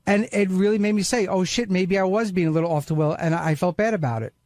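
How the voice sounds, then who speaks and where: Fast, high-pitched man, defensive. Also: a little mellow. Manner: defensive, insistent, repeating himself. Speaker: radio show staff member. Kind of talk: casual panel discussion.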